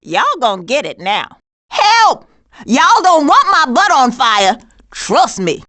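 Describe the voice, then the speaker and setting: A woman voicing a sassy, streetwise, sarcastic female skunk with slangy wisecracks in an animated video game. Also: high-pitched, takes it slowly, heavily acted. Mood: feisty.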